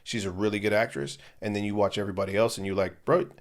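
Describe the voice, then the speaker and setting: A man's voice: lowish voice, fairly even intonation, fast talker. A young man co-hosting a podcast, chatting casually in a laid-back, slangy, joking way. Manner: laid-back slangy banter, jokey asides. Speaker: podcast co-host. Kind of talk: casual chat.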